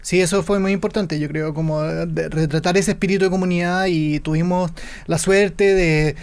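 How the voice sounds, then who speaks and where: Creaky, flat-voiced Chilean man. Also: high-pitched, moderate pace. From Santiago, Chile. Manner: thoughtful, searching for words. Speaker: film director. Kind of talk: interview conversation.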